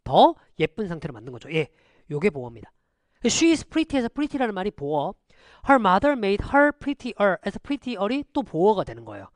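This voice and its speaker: A male teacher gives an online lecture in a dry, close-sounding voice. His pitch swings widely as he fires quick rhetorical questions at students. He slides between polite and casual speech. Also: huge pitch swings, dry recording. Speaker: English teacher.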